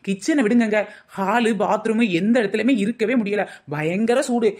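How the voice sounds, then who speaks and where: A woman voicing a sharp-tongued housewife in a cartoon comedy, snapping back at her husband with sarcastic retorts. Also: medium pitch, normal speed, lightly acted.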